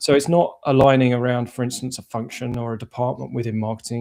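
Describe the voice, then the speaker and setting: A man with an American accent and a dark, mellow tone, at a moderate pace and medium pitch, his intonation fairly even, in a very clean recording with a silent background. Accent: southern English, with a little US southern. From southern England. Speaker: marketing executive. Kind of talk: interview. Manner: halting, many fillers and restarts.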